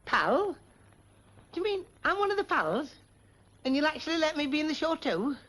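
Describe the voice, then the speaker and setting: An actor playing a naive, cheerful young mill worker, talking in an eager, gormless, giggly comic way. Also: male voice, very high-pitched, big pitch swings, normal speed, pushed and bright, exaggerated voice.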